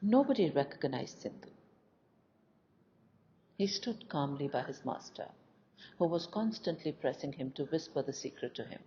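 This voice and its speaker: A woman narrating a scripted folk tale as an audio story, with deliberate, expressive delivery. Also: deep voice. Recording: dull lo-fi recording with faint noise.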